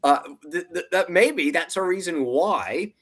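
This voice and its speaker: A man's voice: high-pitched, animated, unhurried, fairly bright tone. A man giving conversational analytical commentary as a financial analyst, explaining emphatically and acting out hypothetical arguments.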